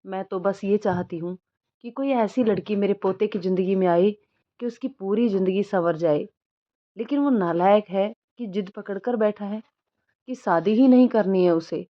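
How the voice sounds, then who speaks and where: A woman's voice: medium pitch, moderate pace, dull audio, lightly acted. A woman voicing an ailing, stubborn old grandmother in a storybook reading, coaxing and scolding her grandson. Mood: emotional.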